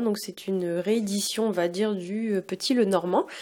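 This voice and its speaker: A woman's dark, mellow tone comes through at a moderate pace. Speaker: tarot reader. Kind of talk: tarot card reading to camera.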